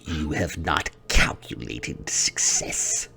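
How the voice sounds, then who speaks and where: A man voicing a creepy, coldly logical villain creature in a tabletop game, with slow theatrical menace and a gravelly voice. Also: extremely low pitch, wildly swooping pitch, sharp tone, pitched below the performer's own voice, full character voice. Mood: accusing menace. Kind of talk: tabletop game role-play.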